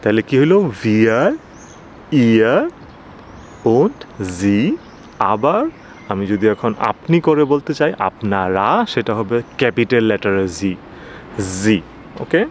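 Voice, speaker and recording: A man teaching German pronouns in a patient, explanatory lesson, spelling each word slowly and often checking with "okay?". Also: lowish voice, animated, slight background noise.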